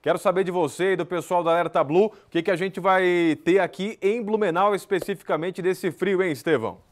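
A man in his thirties anchors live news from a TV studio, his voice slightly high. He chats with the field team in a relaxed, conversational tone. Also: brisk.

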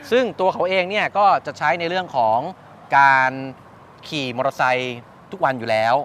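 A man's voice: fairly high pitch, lively intonation, normal speed, a bit bright. A man hosting a casual review and interview, explaining things and checking back with his guest. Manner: explanatory, repeats and confirms the guest's answers. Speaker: host, motorcycle reviewer. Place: at a shop beside traffic. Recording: outdoor noise, vehicles behind.

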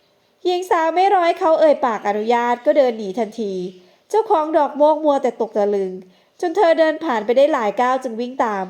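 Woman narrator for an audio novel, high voice, measured and expressive delivery. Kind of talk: scripted narration.

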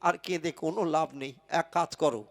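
A man voicing a sly, clever village husband in a comic folk puppet show, muttering quick asides to himself. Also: on the high side, close to an everyday voice. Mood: scheming. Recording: tabla music behind. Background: tabla and folk music.

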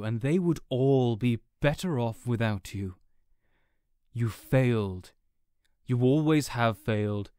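A man playing a smug, contemptuous supervillain in an audio roleplay, speaking in a deliberate, condescending way. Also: medium pitch, darkish tone, no echo, clean studio sound. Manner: deliberate, condescending, theatrical monologuing. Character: smug, contemptuous male supervillain gloating over a beaten rival. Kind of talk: audio roleplay villain acting.

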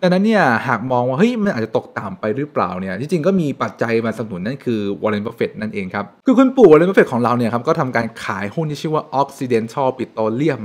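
A young man hosts a finance channel and explains stock news to the camera, speaking in an animated, chatty way with frequent polite particles. His voice is medium-pitched, and he records indoors in a room at home with shelves.

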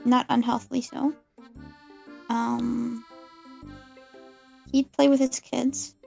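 A woman guesting on a casual game stream, talking in halting, rambling bits and giggling. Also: on the high side, flat delivery, vocal fry, darkish tone, faint music behind.

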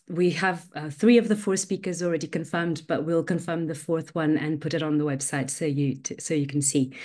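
Low voiced woman hosting a roundtable over video call, friendly, lots of ums. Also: darkish tone. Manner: friendly, uses filler "um". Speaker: panel moderator and lecturer. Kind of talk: moderating an online roundtable. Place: home study with bookshelves. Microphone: earphones on video call.

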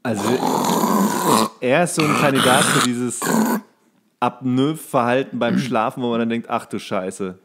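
A man's voice: medium pitch, fairly even intonation, measured pace, a bit bright. Man casually swapping anecdotes. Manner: loose, colloquial storytelling. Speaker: podcast co-host.

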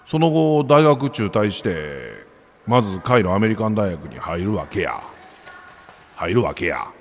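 A man with a Kansai accent talks through the morning papers as a commentator, dropping jokey asides as he goes. His voice sits a little low but leaps around lively in pitch. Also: unhurried, a little hiss or hum. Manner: chatty, with jokey asides and laughs.

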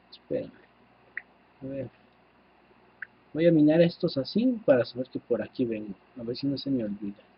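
A man with a Mexican accent giving casual, excitable gameplay commentary, swearing freely and talking to his viewers. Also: medium pitch, breathy edge, muffled recording. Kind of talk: casual let's-play commentary.

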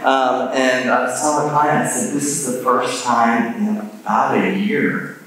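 A man, a neuropsychologist, giving a relaxed and self-deprecating talk at a church service, laughing at his own stories. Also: mid-range voice, unhurried, crowd noise. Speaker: guest speaker, neuropsychologist. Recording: echoey church from far off.

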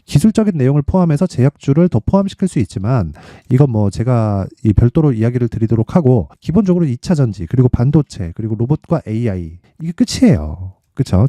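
A man hosting an informal stock market commentary, emphatic and full of rhetorical questions and tag questions as he pitches his picks. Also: dark tone, no echo, clean studio sound. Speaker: stock trading channel host.

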